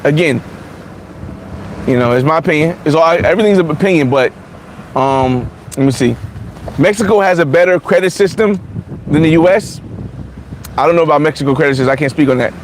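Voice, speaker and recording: Forty-something man, high-pitched, blunt and repetitive vlogger, faint street noise behind. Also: a little fast, long pauses. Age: 40s. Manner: blunt, repetitive, many restarts. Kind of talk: casual livestream chat reading comments.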